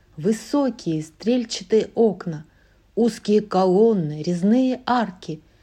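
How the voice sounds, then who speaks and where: Very slowly, a woman speaks with a dark, mellow tone that is somewhat breathy. Her intonation is lively, and the background is quiet. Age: old. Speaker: storyteller. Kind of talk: reading aloud.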